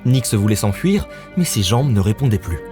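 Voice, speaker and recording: A man's voice: on the low side, big pitch swings, moderate pace, darkish tone, soft background music. A man reading scripted, dramatic story narration as the narrator.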